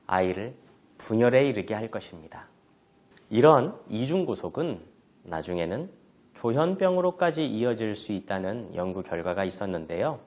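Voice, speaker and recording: A man giving an online lecture to parents on family communication, explaining terms and acting out examples. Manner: explanatory, with lively pitch swings and acted examples.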